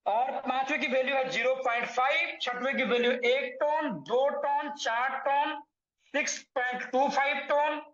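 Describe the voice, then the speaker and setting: Explaining an earning plan to his viewers, this man repeatedly addresses them as friends and fixes his numbers as he goes. His voice is very high and a bit bright, with fairly even intonation and an unhurried pace. The room echoes and the audio is dull and lo-fi.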